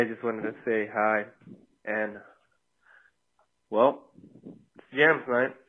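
Man leaving a tinny phone voicemail. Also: on the low side. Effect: voicemail played over the phone. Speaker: caller. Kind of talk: casual voicemail greeting.

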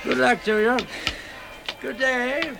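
A man's voice: very high voice, fairly even intonation, slow pace, gravelly, exaggerated voice. An actor playing a bitter, querulous, gloating blind man with a British accent in a 1960s radio drama. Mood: brisk, polite. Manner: querulous, sharp-tongued, gloating. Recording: noisy old radio recording.

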